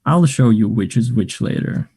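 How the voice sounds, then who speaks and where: A man's voice: medium pitch, lively intonation, normal speed, mellow, slightly rough. A man acting a flirtatious, self-assured gay man in a naturalistic table read of a play, chatty and teasing. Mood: flirtatious, confident.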